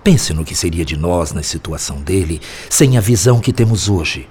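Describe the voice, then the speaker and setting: A man playing a wise, compassionate spirit mentor who reasons patiently and persuasively, in the measured sermonizing style of a radio drama. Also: low-pitched, expressive, a little mellow, husky. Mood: patient reasoning.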